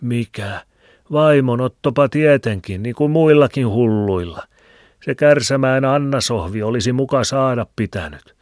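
A man's voice: medium pitch, a little mellow, no room sound, voice pushed up, close to an everyday voice. A man voicing a stubborn, grumbling old village shoemaker with a rambling, folksy way of talking, in a dry close recording. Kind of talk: audiobook reading. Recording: dry close studio sound.

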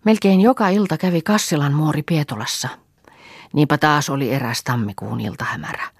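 A woman reading a novel aloud as an audiobook narrator, calm and measured. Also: sits low, slightly rough, dry recording, studio quality. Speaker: audiobook reader.

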